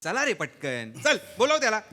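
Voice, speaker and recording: A man's voice: sits high, wildly swooping pitch, moderate pace, exaggerated voice. An actor playing an exasperated film director barking orders at his crew in a stage comedy sketch. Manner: bossy, exasperated, shouting orders. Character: bossy, fussy film director.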